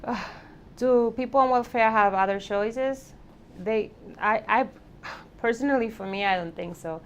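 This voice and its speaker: A woman's voice: on the high side, a little slow, clean tone, lo-fi sound. A woman from the Dominican Republic, speaking reflectively with hesitant restarts in a documentary interview.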